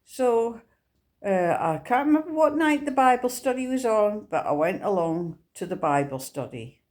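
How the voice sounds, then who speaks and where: A Scottish woman hosting a Christian video, telling her personal faith testimony in an earnest, unhurried way. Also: medium pitch, big pitch swings, a little mellow. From Scotland.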